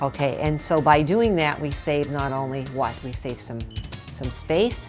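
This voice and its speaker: A woman's very deep, low-pitched voice with lively intonation and music in the background. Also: fairly slow pace. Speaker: local TV host. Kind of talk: infomercial interview host.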